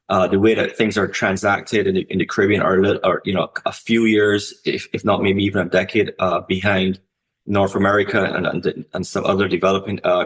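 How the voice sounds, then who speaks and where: A man from Barbados, co-founder of a conference, answering interview questions in a measured way with many restarts and fillers. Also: lowish voice. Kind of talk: podcast interview.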